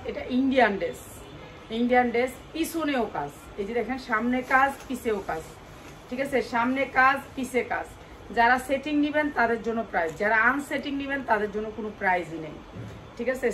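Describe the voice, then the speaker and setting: A woman with a Bangladeshi accent doing an insistent hard-sell live sales pitch for wholesale clothing, repeating key phrases and prices over and over. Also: a bit bright, a little hiss or hum, rough recording. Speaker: clothing wholesale seller presenting stock.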